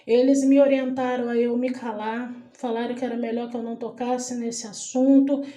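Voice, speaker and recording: A woman's voice: a little high, little pitch movement, moderate pace, warm tone. A middle-aged woman recounting a prophetic dream in an emphatic, repetitive, dramatic way. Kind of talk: earnest spoken testimony. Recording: echoey room.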